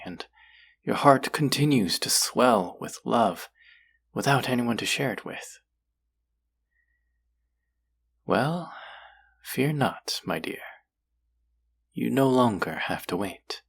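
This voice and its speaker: A man playing a courtly, possessive demon in a roleplay audio drama, speaking formally and deliberately in a husky, gravelly voice. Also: lowish voice, animated, a bit bright, heavily acted. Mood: solemn, coaxing. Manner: formal, slow, deliberate, coaxing. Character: possessive, courtly male demon who hungers for hearts. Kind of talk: scripted roleplay audio drama addressed to the listener.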